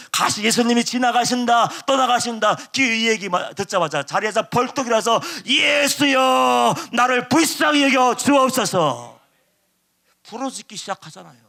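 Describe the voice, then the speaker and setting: A man preaching a sermon as pastor, impassioned and dramatic, acting out shouted pleas. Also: high-pitched.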